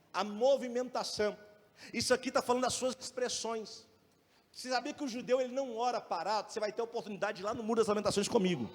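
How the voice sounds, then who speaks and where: A man preaching a sermon as pastor, with a Brazilian Portuguese accent, asking rhetorical questions and swinging between loud and soft, fast and slow. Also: very high-pitched. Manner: preaching with shifting loudness and pace, rhetorical questions. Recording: long hall reverb.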